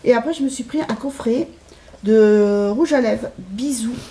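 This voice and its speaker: A middle-aged woman chats casually in a shopping haul video, her voice slightly high, a little slow, and mellow. She sounds hesitant and uses lots of fillers.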